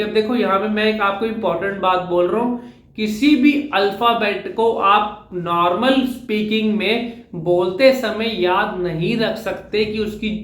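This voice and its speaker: A man's voice: high voice, fairly bright tone, roomy sound. A man from India, speaking, coaching public speaking in a direct-to-camera lesson, explaining patiently, repeating his points and dropping in English phrases.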